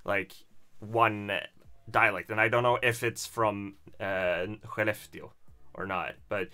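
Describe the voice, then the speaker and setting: Bright-voiced man chatting live. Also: fairly low pitch, steady tone, takes it slowly. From Sweden. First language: Swedish. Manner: chatty and self-deprecating. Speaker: livestream host. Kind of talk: casual live chat reading viewer comments.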